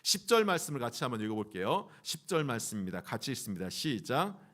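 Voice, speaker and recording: Lively, animated male pastor preaching. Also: mid-range voice, fast talker. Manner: lively preaching, acting out voices of Jonah and God. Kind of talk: sermon.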